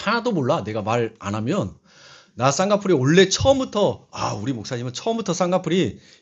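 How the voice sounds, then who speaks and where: Very wide pitch swings mark this animated speech in a Jeolla accent. The pace is fairly quick. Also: man. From Jeolla region, South Korea. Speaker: pastor. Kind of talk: sermon. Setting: church. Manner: animated, rhetorical questions.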